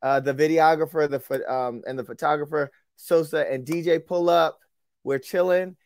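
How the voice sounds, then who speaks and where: A man's voice: a little high, fairly even intonation, normal speed, darkish tone, dry recording, studio quality. A man co-hosting a casual podcast, easygoing and joking as he tells a story. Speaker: podcast co-host.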